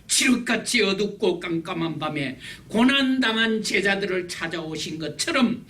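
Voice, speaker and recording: A man preaching a sermon, emphatic and repetitive, his loudness swinging widely. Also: sits high, expressive, moderate pace. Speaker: pastor. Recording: distant mic with faint background hiss.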